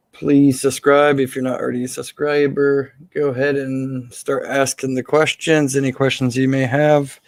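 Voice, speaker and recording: A man with a slightly hoarse voice hosting a casual live question-and-answer stream, speaking informally and haltingly off the cuff. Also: medium pitch, no echo, studio quality.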